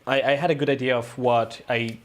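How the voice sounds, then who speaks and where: A man's voice: medium pitch, steady tone, brisk. A man, a guest filmmaker telling a story in a casual interview, rambling loosely with lots of "uh" and "um". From Brazil.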